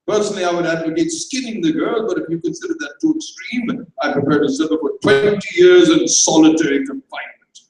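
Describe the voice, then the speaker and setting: A man's voice: high-pitched, animated, fairly quick, few pauses, a little mellow, slight background noise, pitched above the performer's own voice. A man voicing an indignant elderly aristocrat in a staged reading, huffing and theatrical. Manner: pompous, huffing, theatrical outrage. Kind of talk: dramatized live reading. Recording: echoey hall, voice from far off.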